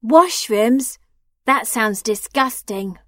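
Actress as a supportive young friend; high and lively voice, slow clear lines, dry studio. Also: female voice, no echo, full character voice. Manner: clearly enunciated, questioning. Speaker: friend character in a listening test. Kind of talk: scripted exam dialogue.

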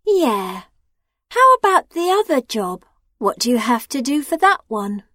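Actress as a supportive young friend; high and lively voice, slow clear lines, dry studio. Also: female voice, no room sound, exaggerated voice. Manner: clearly enunciated, questioning. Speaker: friend character in a listening test. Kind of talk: scripted exam dialogue.

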